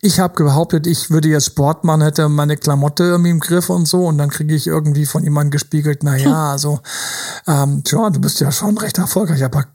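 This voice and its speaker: A man's voice: on the high side, little pitch movement, a little fast, hardly any pauses, a little mellow. A man giving a motivational talk as a relationship coach, emphatic and dropping now and then into whispers to act out inner voices. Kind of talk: motivational monologue.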